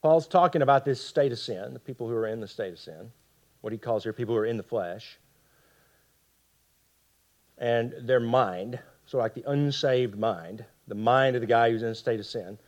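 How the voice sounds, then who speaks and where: Fast-talking man teaching a Bible study. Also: medium pitch. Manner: fast-talking, asks the group "right?".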